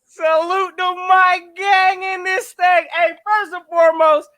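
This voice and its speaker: A man co-hosting a sports podcast, shouting loud hype calls to open the show. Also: very high-pitched, fairly even intonation, slow, no room sound. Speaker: podcast co-host.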